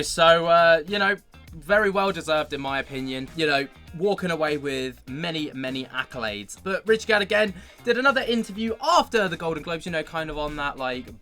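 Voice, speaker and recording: A man's voice: on the high side, sharp tone. A man giving casual, chatty commentary on a video clip. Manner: chatty, offhand. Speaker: YouTube commentator.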